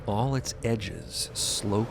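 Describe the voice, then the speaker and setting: A man with a creaky voice narrating a scripted story. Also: fairly low pitch, drawn-out words, noisy background.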